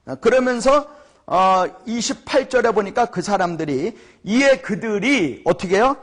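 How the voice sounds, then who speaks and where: A man gives a Bible lecture in a high, lively voice that swings widely in pitch. He talks in an animated way, keeps asking his listeners to agree with him, and acts out the shouts he quotes.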